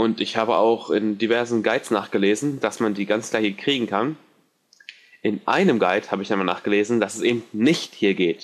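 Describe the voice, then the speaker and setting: Very even in loudness, a man speaks at a fairly quick pace with a fairly low pitch and ordinary pitch variation. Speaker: gaming video creator. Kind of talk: let's play commentary. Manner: previously too quiet, now trying to speak louder. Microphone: background hiss removed, sound slightly distorted.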